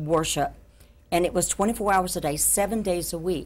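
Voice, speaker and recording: Speaking at a medium pitch with a Southern US accent, a woman's voice carries vocal fry. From US South, Mississippi near Memphis. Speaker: minister and author; guest, minister. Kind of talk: TV talk show interview. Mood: earnest, animated. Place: studio.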